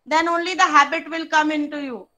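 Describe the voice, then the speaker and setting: Female maths teacher, South Asian accent, high-pitched forceful voice, instructive and question-led. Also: steady tone, a little fast. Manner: instructive, prompting with short step-by-step questions. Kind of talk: interactive online class teaching.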